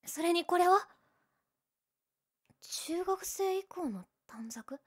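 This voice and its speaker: A woman's voice: on the high side, lively intonation, measured pace. A young woman playing a teasing, prickly, secretly lovestruck tsundere childhood friend in a romantic audio drama. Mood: embarrassed, tender. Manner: bratty teasing, flustered, emotive.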